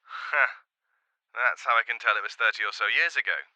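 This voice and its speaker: A man's voice: medium pitch, normal speed, pushed and bright, dry recording, muffled recording. An actor playing a chatty English male podcast investigator in a naturalistic audio drama, casual and slightly hesitant. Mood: curious, polite.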